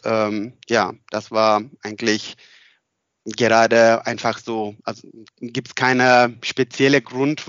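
A man's voice: mid-range voice, fairly bright tone, dry recording, dull audio. A man with a Turkish accent, a guest on a podcast, speaking non-native German hesitantly with many filler sounds and restarts. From Turkey. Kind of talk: casual interview.

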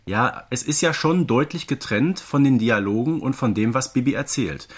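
A man's voice: medium pitch, moderate pace, husky. A man co-hosting a casual fan podcast, explaining things conversationally and often checking for agreement. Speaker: podcast co-host.

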